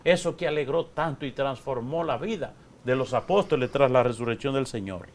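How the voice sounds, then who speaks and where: A man's voice: mid-range voice, moderate pace, darkish tone, a little hiss or hum. A man, a Catholic priest, teaching from the Bible in a sermon, asking the listeners questions and repeating key phrases.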